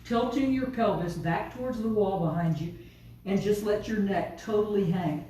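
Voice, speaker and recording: A woman leads a yoga class with calm, patient, step-by-step cues. Her voice is mellow and soft-edged. She is heard from some way off the mic in a very echoey studio room with faint ambience behind her. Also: medium pitch, distant mic, slight background noise. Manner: calm, unhurried step-by-step cueing. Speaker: yoga teacher. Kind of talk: guided yoga class instruction.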